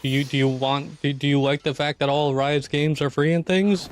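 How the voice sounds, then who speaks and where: A man's voice: a little high, little pitch movement, normal speed. A streamer man losing his voice. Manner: chatty, offhand, swears, self-interrupting. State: losing his voice, clearing throat. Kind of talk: casual gameplay commentary.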